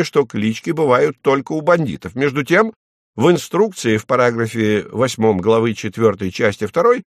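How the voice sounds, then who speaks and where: A man voicing a fussy, impatient male official who objects in a high, tearful, whining voice. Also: no echo, clean studio sound, lightly acted. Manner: shrill and tearful.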